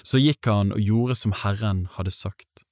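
A man reading scripture aloud in a measured, even way, in a scripted audiobook style. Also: fairly low pitch, no room sound, clean studio sound. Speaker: Bible reader.

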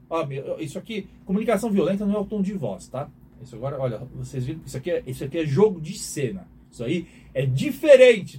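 A man's voice: a little high, mellow, slightly rough. A man teaching communication, emphatic, asking questions and repeating himself as he lectures. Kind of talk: lecture to an online audience.

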